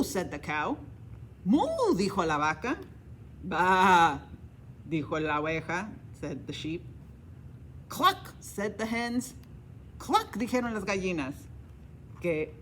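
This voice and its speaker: A woman's voice: medium pitch, slight background noise. A woman librarian reading a children's story aloud, each line in English then Spanish, with animal sounds.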